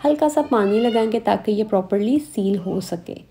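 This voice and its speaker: Dark gravelly woman. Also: mid-range voice, moderate pace. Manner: calm step-by-step instructions. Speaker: cooking channel host. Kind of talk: recipe voice-over.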